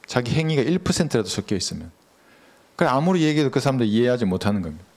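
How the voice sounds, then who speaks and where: A man preaching a sermon as pastor, speaking in a measured, earnest way and asking the congregation questions. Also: medium pitch, sing-song, darkish tone.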